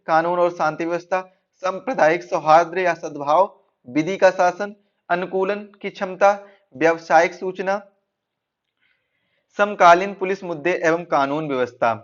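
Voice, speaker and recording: A dull, lo-fi recording of a man teaching in a high-pitched voice. He explains like an online exam coach, restating each point in slightly different words. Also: fairly bright tone. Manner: repeats and rephrases points. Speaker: exam-prep instructor. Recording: dull, lo-fi band-limited audio.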